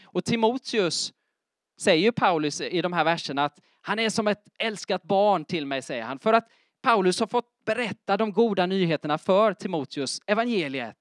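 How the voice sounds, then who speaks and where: A middle-aged man preaching a sermon in church, lively and emphatic, often asking his congregation if they are following. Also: sits high, dry recording, clean studio sound. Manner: keeps checking in with the congregation with questions. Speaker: pastor.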